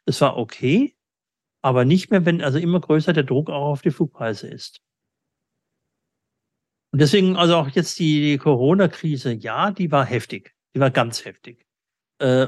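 A middle-aged man answering business interview questions reflectively, often pausing in mid-sentence as he talks. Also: a little high, no echo, studio quality. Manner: halting, with frequent pauses mid-sentence. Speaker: interviewee, company owner and sales agent.

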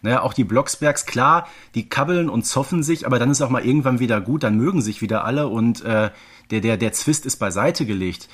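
A man's voice: medium pitch, brisk, fairly bright tone, husky. A man from the Ruhr region with a German accent, hosting a podcast in a colloquial, conversational way. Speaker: podcast host.

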